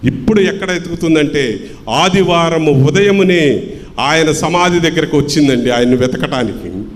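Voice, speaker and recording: A man's voice: fairly high pitch, expressive, normal speed, in a large hall. A man preaching a sermon, repeating lines in a rhythmic cadence and posing rhetorical questions. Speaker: pastor. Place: church.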